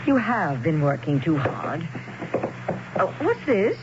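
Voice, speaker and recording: Anxious doting wife, wildly swooping pitch. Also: female voice, big pitch swings, slow pace, full character voice. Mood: fussing, tender. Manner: fussing, theatrical, solicitous. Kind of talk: 1970s radio drama acting. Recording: dull, noisy 1970s radio recording.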